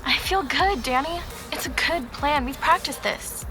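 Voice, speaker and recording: Woman playing a high-voiced, plucky young skateboarder. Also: a little slow. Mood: determined. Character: plucky young female skateboarder, game and determined. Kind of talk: audio drama dialogue. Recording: music behind the voice.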